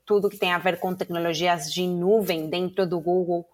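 A woman's voice: lowish voice, fairly even intonation, normal speed, darkish tone. An Argentine woman with a Spanish accent, a native Spanish speaker, answering interview questions as a guest in a friendly, explanatory way. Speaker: guest, communications executive.

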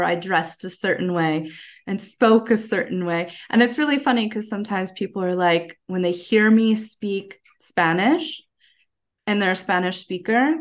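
A woman with an American accent chatting casually as a podcast guest, telling personal stories in an animated way. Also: on the low side. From United States. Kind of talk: casual conversational storytelling.

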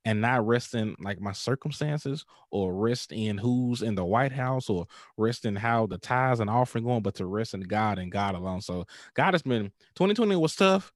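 A man in his thirties with an African American accent, telling stories in an animated, informal way in a casual podcast interview. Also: lowish voice, moderate pace, few pauses, dry recording, studio quality. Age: 30s. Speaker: pastor and podcaster.

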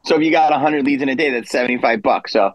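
A man's voice: medium pitch, racing, dry recording, poor audio. A man in his fifties rambles through a story as a guest comedian, full of self-deprecating asides. His voice sits in a mid register, and the recording is dry and close, with no room sound. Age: 50s. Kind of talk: casual interview storytelling.

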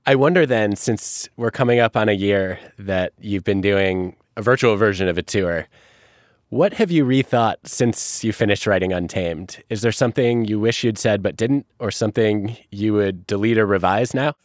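A man's voice: lowish voice, normal speed, no echo, studio quality. A man hosting an interview, asking questions with enthusiastic praise for his guest. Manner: enthusiastic, warmly complimentary questioning. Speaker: podcast host and interviewer. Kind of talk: interview conversation.

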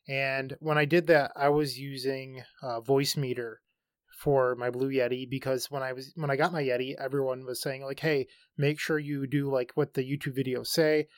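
A man's voice: mid-range voice, little pitch movement, moderate pace, dry recording. Man with a dry, close voice, explaining. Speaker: podcast co-host. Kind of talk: casual chat.

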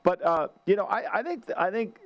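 A man's voice: high-pitched, expressive, brisk, fairly bright tone, dull audio. A man with a Boston accent hosting casual sports radio chat, often repeating words as he searches for them. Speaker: show host.

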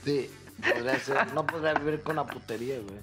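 A man's voice: mid-range voice, a little fast, over loud music. A drunk, tired man with a Mexican accent giving blunt, crude replies on a podcast. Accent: Mexican Spanish. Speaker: podcast guest. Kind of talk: crude comedic banter.

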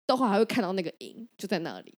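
A woman from Taiwan with a Taiwanese Mandarin accent, co-hosting a podcast and telling stories in an animated, laughing way. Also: medium pitch, quick pace. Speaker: podcast co-host. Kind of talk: casual chat.

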